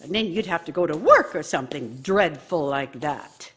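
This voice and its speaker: A woman's voice: low-pitched, animated, moderate pace, breathy edge. An actress playing a bitter, nagging working wife who scolds her idle husband with scorn and sarcasm in a radio drama monologue. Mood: bitter, sarcastic.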